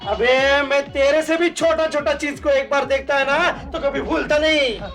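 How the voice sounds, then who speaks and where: An actor playing a gruff police constable with rough street talk in a sitcom. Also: male voice, very high voice, fairly even intonation, moderate pace, a bit bright, faint music behind. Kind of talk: sitcom acting.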